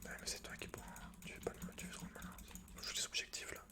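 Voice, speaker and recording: A gaming ASMR host whispers slangy, casual gameplay commentary right up against a close mic, teasing as he goes. His delivery races along with a sharp tone, while computer keyboard typing clicks in the background.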